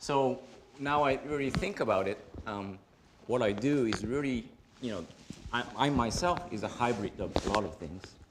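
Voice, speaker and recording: A man with a Japanese accent speaks at a moderate pace and a medium pitch. His intonation is lively, broken by long, frequent pauses. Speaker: architect and project manager. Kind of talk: symposium presentation. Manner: halting, many fillers.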